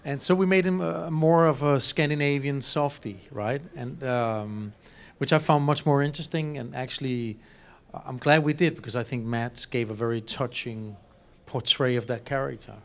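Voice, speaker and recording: Film director, earnest. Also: male voice, medium pitch, normal speed, gravelly. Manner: earnest, laughing lightly, slightly non-native phrasing. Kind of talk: panel interview.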